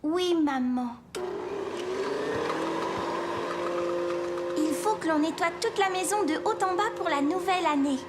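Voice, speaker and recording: A woman's voice: very high-pitched, normal speed, over loud music. A woman voicing a friendly, chatty, helpful young girl who explains things in a French children's cartoon. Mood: cheerful.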